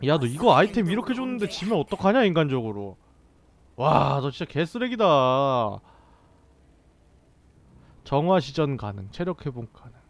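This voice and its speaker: A man's voice: on the high side, big pitch swings, moderate pace, long pauses. A man doing casual game commentary as a streamer, grumbling and exclaiming coarsely.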